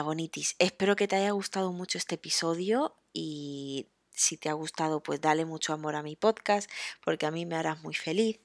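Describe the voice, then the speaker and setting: Expressive woman, low-pitched voice. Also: no room sound, clean studio sound. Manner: chatty and expressive, with lively laughs. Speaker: podcast host and Spanish teacher. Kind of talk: casual podcast lesson.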